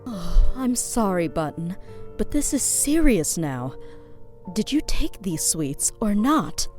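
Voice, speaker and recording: A woman playing a worried, frustrated mother pony in an amateur audio drama, with expressive delivery. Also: mid-range voice, slow pace, faint music behind. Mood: exasperated.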